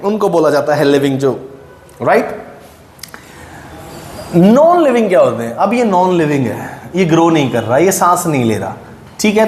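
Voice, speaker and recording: A man teaching English grammar in a classroom with an Indian accent. He explains slowly and keeps checking in with his students. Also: high-pitched. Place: classroom with a whiteboard. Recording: echoey room with faint noise.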